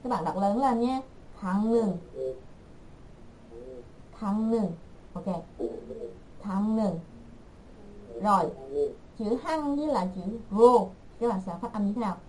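A woman teaching an online language class, repeating words slowly and patiently for her learners. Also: medium pitch, darkish tone, a little hiss or hum, low-quality recording.

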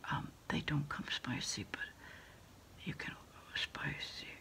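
Slow whispering woman in ASMR roleplay. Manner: soft, unhurried, hesitant with frequent trailing pauses. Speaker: ASMR performer playing a takeout order taker. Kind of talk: whispered ASMR roleplay, one-sided phone conversation.

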